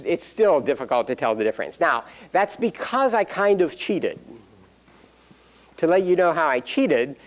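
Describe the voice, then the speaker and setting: Man lecturing with dry humor. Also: medium pitch. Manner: explanatory, dry jokes, frequent fillers. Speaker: university lecturer. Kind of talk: classroom lecture.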